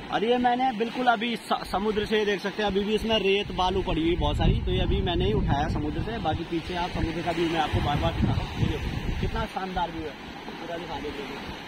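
A man vlogging outdoors by the sea and in a coconut grove, chatting excitedly to his viewers in a casual way and calling them brother. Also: high voice, fast. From Indian hill region. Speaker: travel vlogger. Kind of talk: casual vlog narration to camera. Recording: noisy outdoor camera audio.

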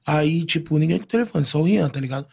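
Brief: man, podcast guest, gravelly husky voice, lively storyteller who mimics the voices of others. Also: fairly high pitch, quick pace. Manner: animated storyteller, acts out quoted voices with slang. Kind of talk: casual storytelling.

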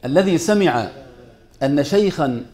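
A man's voice: on the high side, expressive, moderate pace, a little mellow. A man teaching a class on Quran recitation rules, speaking emphatically and putting rhetorical questions to his students. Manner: mixes formal Arabic with colloquial asides.

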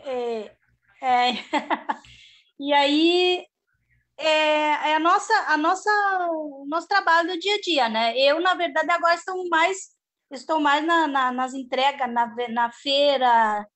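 Woman, high voice, middle-aged, organic farmer, video call from home, chatty and rambling. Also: takes it slowly, a bit bright. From southern Brazil. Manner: chatty, rambling with many restarts and "né?". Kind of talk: casual video-call panel talk.

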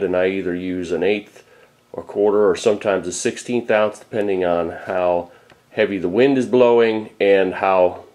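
Low-voiced man explaining fishing lures. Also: darkish tone. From Florida. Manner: plain, practical, with frequent uh fillers. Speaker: fishing guide. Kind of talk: casual instructional talk.

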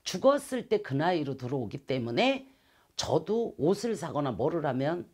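Seated in a shrine room with calligraphy screens, a middle-aged shaman fortune teller earnestly explains her answers in an interview, using hand gestures and a clip-on mic. She speaks at normal speed in a low, darkish, breathy voice that is very animated.

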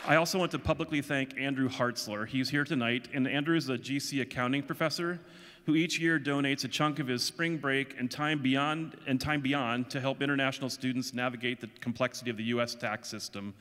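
A man's voice: mid-range voice, steady tone, brisk, fairly bright tone. A middle-aged man making announcements from a stage as host of an event. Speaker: international student advisor, event host. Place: large auditorium stage. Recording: echoey hall with audience noise.

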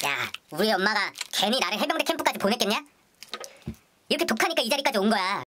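Performer acting a bright-voiced, cheeky young camp recruit. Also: mid-range voice, big pitch swings, quick pace, slight background noise. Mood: cocky. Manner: stammering politeness to superiors, boastful with friend. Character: cocky, scheming young camp recruit, nervously deferential. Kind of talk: comedic skit role-play.

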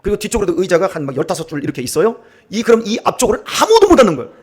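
A middle-aged male pastor from central Korea preaches in a church sanctuary, his voice sitting high for a man. He swings widely up and down as he tells humorous stories and acts out how other people talk. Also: very fast. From Chungcheong region, Korea. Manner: animated, acts out dialects and laughs while telling stories. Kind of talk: sermon with humorous storytelling.

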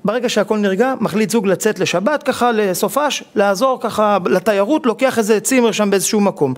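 A rabbi on a TV talk show explaining marriage advice and acting out quoted husbands and wives as he tells stories. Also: sits high. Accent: Israeli Hebrew. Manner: animated storytelling, acting out quoted spouses. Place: television studio.

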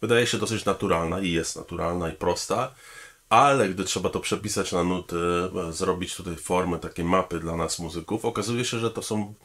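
Man, very deep voice, formal, thoughtful, many hesitation sounds, composer talking. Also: a bit bright. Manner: measured and thoughtful, with frequent hesitation fillers; formal, polite address to the audience. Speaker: pianist, composer and arranger. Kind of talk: promotional talking-head statement.

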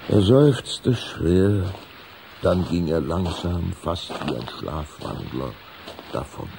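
A man narrates a children's story in a low, creaky voice. His delivery is animated, with wide swings in pitch, in the manner of a scripted audio drama. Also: slow, noisy background.

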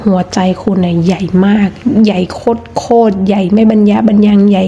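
A woman's voice: mid-range voice, flat delivery, normal speed, dark tone, husky, dull audio. A woman reading tarot cards in a chatty, casual monologue, emphatic and repeating herself with many fillers. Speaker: tarot card reader.

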